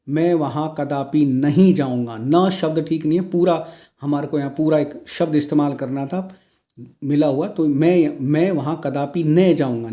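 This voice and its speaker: A male teacher giving an exam-prep grammar lesson, reading each sentence slowly and then explaining the correction. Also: a little high, dark tone. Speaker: Hindi teacher.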